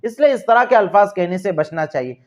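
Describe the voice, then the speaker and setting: A man's voice: high-pitched, animated. A man with a Pakistani Urdu accent giving earnest, repetitive religious instruction and addressing viewers as dear friends. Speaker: religious teacher. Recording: dull lo-fi sound.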